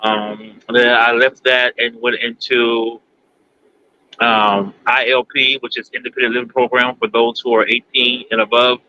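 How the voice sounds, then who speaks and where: A man in his forties from Kentucky, a guest answering interview questions in a halting, plainspoken way with many pauses. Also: medium pitch, flat delivery, bright, forceful tone. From United States, Kentucky. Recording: dull lo-fi sound, faint background noise.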